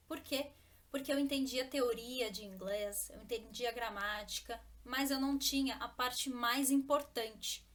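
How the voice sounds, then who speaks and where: A woman's voice: fairly high pitch, a bit bright. A Brazilian woman, a Portuguese teacher, telling a personal story and speaking straight to the viewer in a scripted course promotion.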